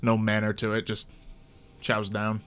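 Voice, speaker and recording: A man's voice: on the low side, monotone, a little slow, fairly bright tone, clean tone. A man running a tabletop game, narrating casually and improvising as he goes in a conversational, hesitant way. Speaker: game master.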